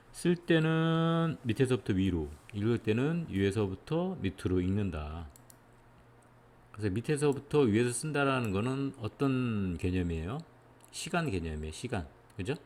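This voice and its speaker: Patient low-voiced male lecturer. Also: darkish tone, a little hiss or hum. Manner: patient, step-by-step explaining with frequent "예" check-ins. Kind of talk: explanatory lecture.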